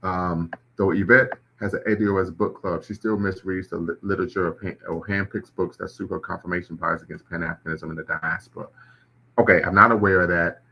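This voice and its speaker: A man's voice: deep voice, fairly even intonation, a little fast, muffled recording, slight background noise. A man hosting a live stream, reacting to clips and chat comments in a conversational way. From Ohio, US. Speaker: host.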